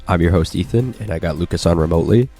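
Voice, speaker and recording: A man hosting a casual sports chat, stuffy from a cold, relaxed and full of fillers. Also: deep voice, fast, faint music behind. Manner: laid-back, filler-heavy. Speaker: podcast host.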